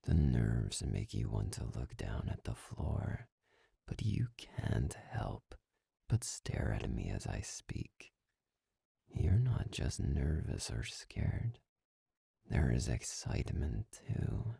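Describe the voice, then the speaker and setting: A man performing an arrogant, cold master in an ASMR roleplay. His voice is extremely low and heavily creaky, with a breathy edge that slips into whispers. He speaks slowly and condescendingly, as if every word were a command. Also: sing-song, warm tone, no echo, clean studio sound, exaggerated voice. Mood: teasing, smug. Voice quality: breathy, gravelly, often dropping into whisper. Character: arrogant, domineering young male master, cold and mocking. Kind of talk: intimate ASMR roleplay monologue.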